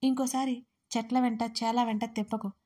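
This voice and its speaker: A woman voicing a stern, short-tempered young man who scolds loudly and speaks curtly. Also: a little high, flat delivery, normal speed, lightly acted. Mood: scolding. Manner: scolding, loud and curt.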